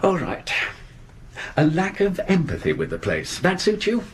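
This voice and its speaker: An actor playing a curt, sarcastic husband with an English accent, clipped and sardonic, in a 1980s radio drama. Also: male voice, high-pitched, wildly swooping pitch, a little slow, a little hiss or hum, exaggerated voice.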